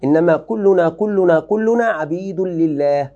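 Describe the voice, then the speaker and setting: A man's voice: sits high, normal speed, dark tone, muffled recording. A man giving a religious lesson, explaining a book to students emphatically, repeating key phrases and checking they follow. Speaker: Islamic teacher.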